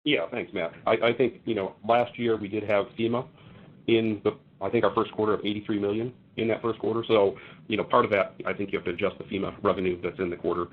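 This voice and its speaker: Low-voiced male executive on a phone line. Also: flat delivery, quick pace. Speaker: company executive answering analysts. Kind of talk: earnings call answers. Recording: phone-like conference line, faint rumble.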